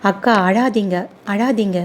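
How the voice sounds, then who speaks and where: A woman's voice: mid-range voice, measured pace, natural voice. A woman voicing a kind, talkative young neighbor woman who speaks earnestly and pleads. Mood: pleading. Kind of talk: storybook dialogue.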